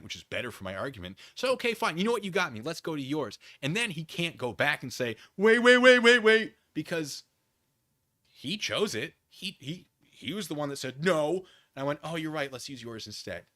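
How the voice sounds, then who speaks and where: A man's voice: mid-range voice, bright, forceful tone, dry recording, clean studio sound. A man hosting a livestream in casual chat, rambling wryly as he reads and answers viewers and acts out imagined exchanges.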